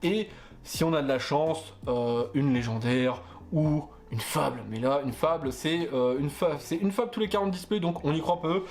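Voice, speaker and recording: A man's voice: on the high side, moderate pace, darkish tone. A man casually chatting while opening trading card boosters, hesitant with many fillers and self-corrections, stumbling over English card names. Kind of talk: casual booster unboxing chat.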